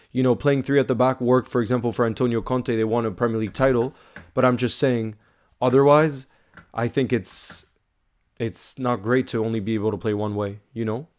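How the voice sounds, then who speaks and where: A young man hosting a live fan stream, chatting casually and excitedly with viewers, calling them bro and filling with you know. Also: medium pitch, a little fast. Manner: hyped, calls viewers bro, many you-knows. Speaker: livestream host reading fan chat. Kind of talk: casual watchalong chat.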